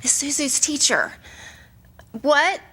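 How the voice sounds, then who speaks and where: A woman's voice: high voice, slow, pushed and bright, full character voice. An actress playing a caring, patient wife and mother in a 1940s-style radio play. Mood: reassuring. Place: live staged reading in a television studio. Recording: piano music behind the voice.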